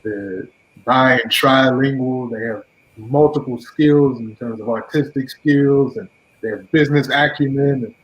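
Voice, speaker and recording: Man, program director, measured speech full of fillers, dull lo-fi audio, middle pitch. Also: fairly even intonation. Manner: measured, with many fillers and restarts. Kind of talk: ceremony speech. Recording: dull lo-fi sound.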